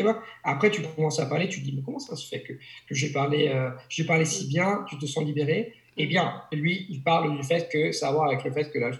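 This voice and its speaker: Guy teaching languages, bit of fry in the voice, lots of uhs and restarts, roomy echo. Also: on the high side. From Italy. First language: Italian. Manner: hesitant, frequent restarts and fillers. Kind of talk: conversational interview.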